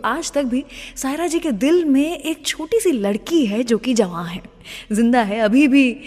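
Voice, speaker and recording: A woman with an Indian accent presenting a radio show in a dramatic storytelling manner, mixing in some English phrases. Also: on the high side. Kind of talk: radio presenting, opens with poetry. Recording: long reverb on the voice.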